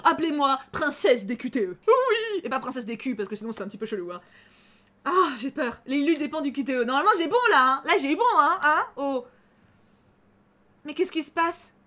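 A young woman hosting a game channel, chatting excitably through a let's play and reacting loudly and emotionally. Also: sits high, a little fast. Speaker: gaming channel host.

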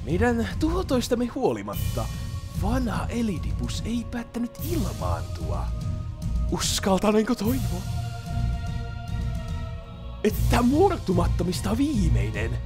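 A theatrical game villain with a high-pitched voice. His grandiose, mocking lines swing wildly up and down. Clear music plays behind his melodramatic delivery. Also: wildly swooping pitch, long pauses. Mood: scheming. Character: flamboyant, theatrical villain in a stolen human body. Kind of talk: dubbed video game cutscene acting.

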